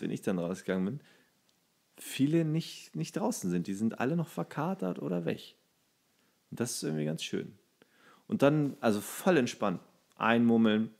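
A man's voice: medium pitch, very animated, normal speed, vocal fry, long pauses, darkish tone. A man co-hosting a podcast, chatting loosely with slang and jokes. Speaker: podcast co-host. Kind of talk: casual chat. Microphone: studio microphone.

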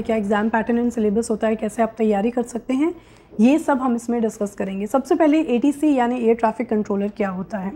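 A woman's voice: on the high side, dark tone. A young adult woman, hosting a career guidance explainer and addressing viewers directly as she mixes in English terms. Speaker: host of career guidance videos. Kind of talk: explainer to camera, mixing Hindi with English terms. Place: small indoor room with curtains, seated.

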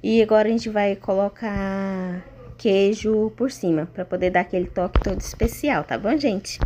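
A woman's voice: mid-range voice, moderate pace, warm tone, a little hiss or hum. A woman with a Brazilian accent narrating a recipe casually and informally, often checking in with her listeners. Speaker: home cooking vlogger.

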